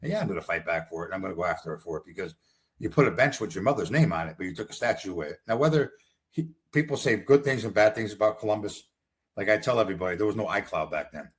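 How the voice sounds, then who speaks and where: A man's voice: on the low side, lively intonation, fast. A man running for Congress, talking bluntly and combatively in a rambling political interview. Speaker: congressional candidate.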